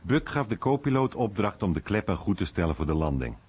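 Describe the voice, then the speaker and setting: An actor voicing a veteran's dramatic wartime account as a husky radio documentary voice-over. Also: male voice, on the low side, very animated, a little fast, darkish tone, muffled recording. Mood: tense recounting.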